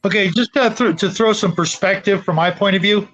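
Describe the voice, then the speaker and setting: A man's voice: high voice, brisk. A man on a podcast panel, casually explaining his point of view over a dull, lo-fi mic. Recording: dull lo-fi mic, clear background noise.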